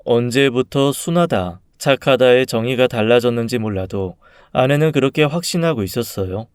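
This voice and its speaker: A man reading a first-person story aloud in a calm, subdued, even manner. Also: mid-range voice, clean tone, dry recording, studio quality. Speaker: story reader.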